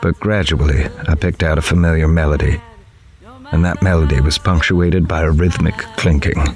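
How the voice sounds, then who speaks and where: An actor playing a grave, observant newspaper reporter, narrating a horror audio drama in the first person in a measured, literary way. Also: male voice, a bass voice, fairly even intonation, a little mellow. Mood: somber. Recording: music behind the voice.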